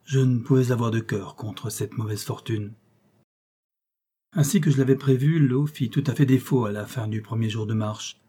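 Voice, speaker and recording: A man narrating a classic novel in a steady, expressive reading. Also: medium pitch, moderate pace, slightly rough. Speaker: audiobook narrator. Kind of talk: scripted narration.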